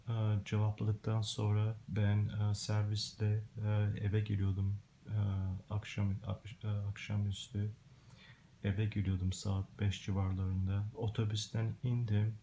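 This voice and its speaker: A middle-aged man from Germany giving a personal religious testimony in halting, broken Turkish, searching for words like a long-time emigrant. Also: on the low side, mellow. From Germany, born and raised. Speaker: Christian testimony video maker. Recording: hissy home recording with clicks.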